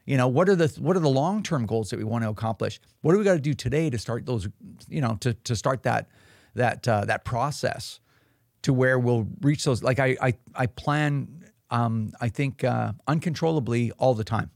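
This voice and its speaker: Gravelly, chatty man hosting a podcast. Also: mid-range voice, normal speed, darkish tone, no room sound, studio quality. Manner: rambling, many restarts and fillers. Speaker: podcast host. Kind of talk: casual talk show monologue.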